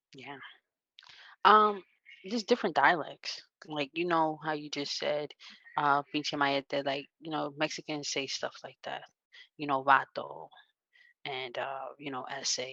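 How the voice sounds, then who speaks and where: Speaking fairly slowly with long, frequent pauses, a voice with an American accent has a bright, sharp tone, ordinary pitch variation and big swings in loudness, sounding dry and close with no echo against a quiet background. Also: woman, very deep, low pitch for a woman. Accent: slight country. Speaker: podcast guest. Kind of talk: casual chat. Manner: animated.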